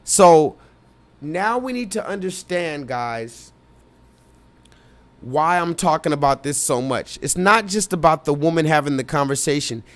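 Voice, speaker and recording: A man's voice: fairly high pitch, no echo. Insistent man reacting to comments live. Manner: urgent, insistent, repeats himself, addresses chat directly. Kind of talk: live reaction stream, reading comments aloud.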